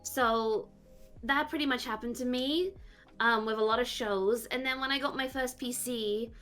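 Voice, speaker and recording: Guest spot: fairly high woman's voice, rambling and halting, soft music underneath. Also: fairly even intonation. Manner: rambling, halting, many fillers. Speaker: VTuber guest. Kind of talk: casual interview chat.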